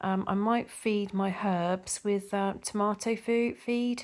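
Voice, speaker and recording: In an English accent, a woman speaks quietly with fairly even intonation on a very clean recording with a silent background. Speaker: cleaning and home vlogger. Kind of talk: casual vlog narration. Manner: quiet voice.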